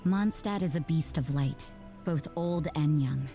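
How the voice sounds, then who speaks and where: An actress voicing a cool, jaded young nun who works in the shadows, in measured, blunt, unsentimental game dialogue. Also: female voice, deep voice, mellow. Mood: solemn, reflective. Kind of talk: scripted game character voice lines. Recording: background music under the voice.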